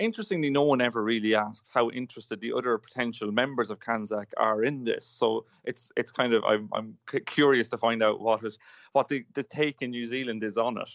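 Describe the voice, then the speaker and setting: With an Irish accent, a man at medium pitch talks at a fairly quick pace with hardly any pauses and fairly even intonation. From Ireland. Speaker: journalist and author. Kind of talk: interview.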